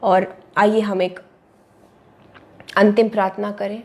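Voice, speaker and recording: Slow-praying woman pastor. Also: medium pitch, little pitch movement, a little mellow. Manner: repetitive, declaring blessings in a slow, measured cadence. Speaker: pastor leading online prayer. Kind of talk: prayer ministry, mixing Hindi and English.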